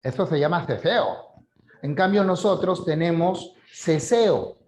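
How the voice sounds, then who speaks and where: A man's voice: fairly high pitch, expressive, unhurried, darkish tone, a little hiss or hum. Male teacher, Peruvian coastal accent, casual explanatory lesson delivery, engages the viewer directly. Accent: Peruvian coastal Spanish. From Peru. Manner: conversational, frequent "¿no?" tags, acts out examples.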